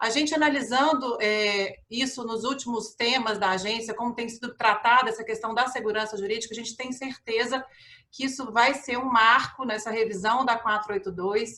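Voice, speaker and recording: A woman's fairly high voice at a moderate pace, with a Minas Gerais accent. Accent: Minas Gerais Brazilian Portuguese. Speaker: energy sector lawyer. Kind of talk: panel debate speech.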